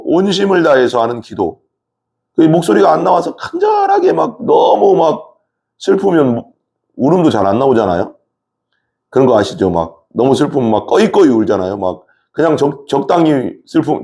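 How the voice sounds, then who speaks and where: A man preaching a Bible reading in a relaxed conversational way, asking his listeners questions and using frequent fillers. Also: medium pitch, vocal fry. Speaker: pastor. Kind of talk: Bible study sermon.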